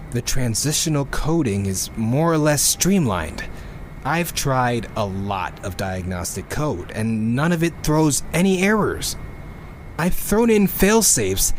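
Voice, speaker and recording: A man's voice: on the high side, a little hiss or hum. A man playing a frustrated, sweary programmer in a sci-fi audio drama, talking in an exasperated way. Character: frustrated sweary male programmer on a doomed earth.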